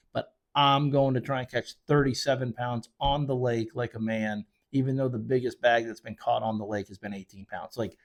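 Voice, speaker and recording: A man's voice: mid-range voice, a little mellow. A man, hosting casual solo commentary into a microphone, rambling and correcting himself often. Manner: rambling, conversational, with frequent fillers and self-corrections. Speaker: fishing charter guide and show host. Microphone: desk microphone.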